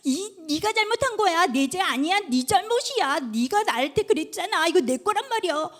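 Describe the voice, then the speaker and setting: A woman's voice: very high-pitched, expressive, fast talker, fairly bright tone, pitched above the performer's own voice. A woman voicing a young child who whines and insists during a story. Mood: sulky. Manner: whining, insistent. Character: whiny young child pleading and sulking.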